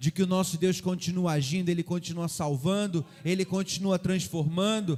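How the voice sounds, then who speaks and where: On a very clean recording with a silent background, a high-pitched man with a Carioca accent talks at a moderate pace with ordinary pitch variation. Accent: carioca, Rio de Janeiro. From Rio de Janeiro, Brazil. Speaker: missionary pastor. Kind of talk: sermon. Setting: church.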